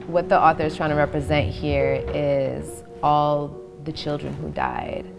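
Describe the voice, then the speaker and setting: Low-voiced woman, thoughtful and measured. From Belgium. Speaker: writer and translator. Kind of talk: documentary interview. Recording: clear music underneath.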